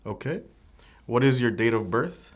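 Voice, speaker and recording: A man playing an immigration officer in a scripted mock interview, asking formal, measured questions. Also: medium pitch, animated.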